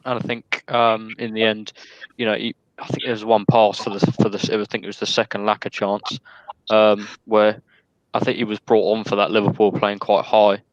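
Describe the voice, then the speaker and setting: Smooth, low, even-toned man. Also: normal speed, dry recording, highs cut off. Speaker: football fan panellist. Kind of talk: casual post-match analysis.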